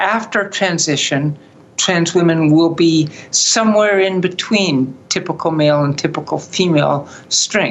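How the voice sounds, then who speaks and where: Against noticeable background noise, a woman with an American accent and a fairly low pitch talks at a fairly slow pace with very even loudness and ordinary pitch variation. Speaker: scientist. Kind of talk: interview.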